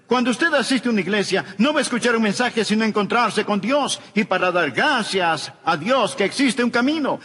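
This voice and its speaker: Emphatic preaching man, high lively voice. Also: breathy edge, big-room sound. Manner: emphatic preaching with wide swings from loud to hushed. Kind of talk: sermon.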